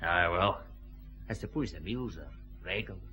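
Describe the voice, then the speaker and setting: An actor playing a sly, easygoing jailed newspaper seller with a Scottish accent in a radio detective drama. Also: male voice, sits low, expressive, moderate pace, bright, forceful tone, slight background noise. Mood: wheedling. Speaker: small-time drunk informant.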